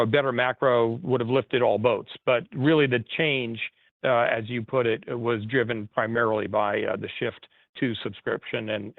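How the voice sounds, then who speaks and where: A man speaking as a chief executive on an investor call, explaining emphatically in a halting way with repeated words. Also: medium pitch, creaky, no room sound. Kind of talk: spoken answers on an investor conference call. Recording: narrow phone conference line.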